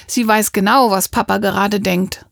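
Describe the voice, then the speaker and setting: A woman reading a children's audiobook as scripted narration, measured and clear, on a close microphone. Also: mid-range voice, fairly even intonation, no echo. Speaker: audiobook reader.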